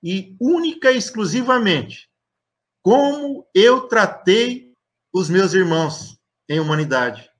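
A middle-aged man with a Brazilian accent giving an earnest, reflective religious testimony, speaking deliberately with frequent pauses over a video call. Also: high-pitched, very animated. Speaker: guest speaker at a spiritist talk. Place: indoor room at home, on a video call.

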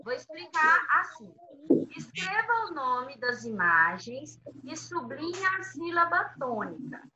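Patient teacher, high bright voice. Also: female voice, sing-song, a little hiss or hum. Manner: patient, slow, explaining step by step. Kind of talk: online class for young children. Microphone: video call. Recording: echoey, distant, dull video call.

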